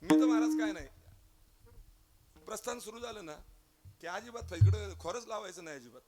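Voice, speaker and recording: A kirtan preacher with a Marathi accent and a high, animated voice gives a devotional sermon at a moderate pace. He spins a humorous tale, performing the characters' lines himself and bursting into chant now and then.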